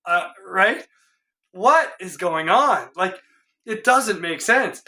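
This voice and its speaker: A middle-aged man with a hoarse voice, a guitar tech in a casual vlog, puzzled and exasperated as he thinks aloud in his home workshop. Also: high-pitched, expressive, slow, bright, forceful tone. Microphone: camera a few feet away.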